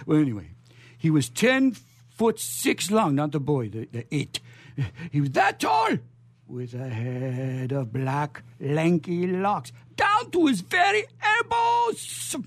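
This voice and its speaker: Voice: medium pitch, huge pitch swings, slow pace, no echo, heavily acted. An actor playing a tipsy, one-eyed gypsy man who rambles comically in a radio theatre melodrama. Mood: tipsy, boastful.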